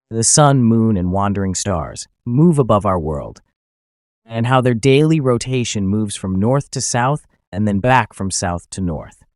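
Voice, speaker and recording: A man's voice: lowish voice, a little mellow, no room sound, clean studio sound. Man narrating an app tutorial. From Finland. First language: Finnish. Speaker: YouTube channel host.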